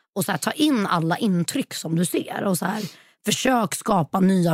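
Lively intonation marks this woman's medium-pitched voice at a moderate pace. The recording is very clean, with a silent background. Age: 20s. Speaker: podcast guest. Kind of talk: casual chat.

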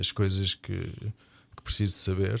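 Very clean recording of a man, the background silent. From Lisbon, Portugal. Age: 40s. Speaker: environmental artist. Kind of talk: interview. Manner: halting.

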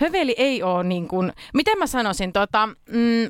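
At a fairly slow pace and with lively intonation, the speech comes through dry and close with no echo, in a very clean recording with a silent background. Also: woman. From Savonia, Finland. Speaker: radio host. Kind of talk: casual chat. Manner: animated.

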